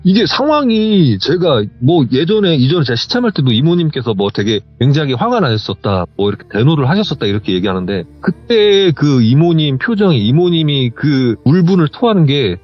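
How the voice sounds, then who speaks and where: A man casually recounting a true horror story, acting out the dialogue in a lively way. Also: fairly high pitch, a little fast, few pauses. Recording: dull lo-fi audio, faint music.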